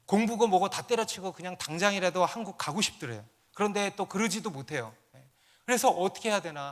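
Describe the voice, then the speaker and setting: A man's voice: fairly high pitch, pushed and bright. A man, a pastor, preaching a sermon, telling stories and building to emphatic peaks. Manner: storytelling, rising to emphatic peaks.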